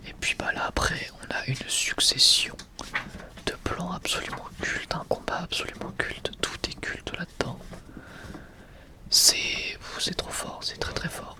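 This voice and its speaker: A young adult man whispers in a casual, enthusiastic ASMR style, sometimes hesitating as he presents. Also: unhurried. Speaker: ASMR video creator presenting a manga collection.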